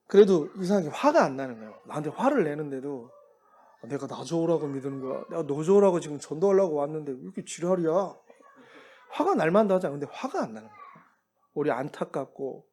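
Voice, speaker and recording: A man preaching as a missionary, telling personal stories in a relaxed, conversational way with occasional chuckles. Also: a little high, fairly quick, long pauses. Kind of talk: sermon storytelling.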